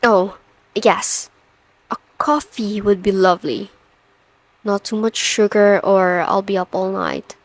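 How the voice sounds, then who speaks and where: Brief: stern female CEO woman acting, overworked, dryly menacing, measured and commanding, unhurried delivery, close dry studio sound, for an audio roleplay. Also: medium pitch, expressive, no room sound. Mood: composed, gracious.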